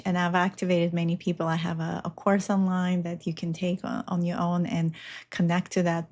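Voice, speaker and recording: Russian-native woman, low earnest voice. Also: darkish tone. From Belarus. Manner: earnest, meandering, many fillers. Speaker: spiritual guest. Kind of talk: casual interview talk.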